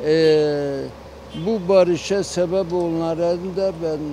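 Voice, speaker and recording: There is noticeable background noise as a man talks at a very slow pace. His voice is high, with fairly even intonation. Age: 70s. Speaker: street interviewee. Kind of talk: street interview.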